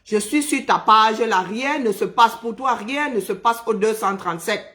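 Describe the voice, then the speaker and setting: A man's voice: high-pitched, normal speed, sharp tone. A man from Cameroon, ranting on a live stream, agitated and indignant, hammering his points home by repeating phrases. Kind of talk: angry live-stream rant.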